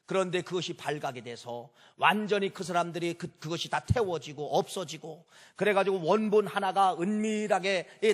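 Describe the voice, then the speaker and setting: A male pastor with a high-pitched, slightly bright voice preaches a sermon emphatically, repeating key phrases and putting questions to the congregation. The recording has a big-room sound.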